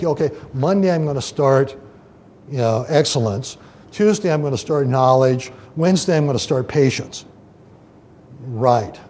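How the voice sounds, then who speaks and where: A preacher man with a mellow, darker voice teaches scripture in a relaxed, chatty way. He restarts his sentences often and pauses to read out quotations. A faint low rumble sits under the recording. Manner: conversational, many fillers and restarts, reads quotations aloud. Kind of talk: informal Bible teaching.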